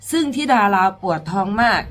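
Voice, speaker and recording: Tearful Isan woman pleading earnestly. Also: brisk. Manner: earnest, pleading, addresses listeners directly. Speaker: mor lam singer. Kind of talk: tearful personal storytelling.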